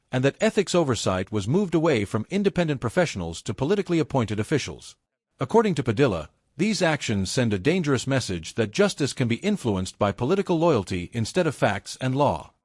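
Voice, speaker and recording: A man reading scripted news narration in a steady, measured way as a voice-over. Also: mid-range voice, no room sound. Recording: dry close voice-over.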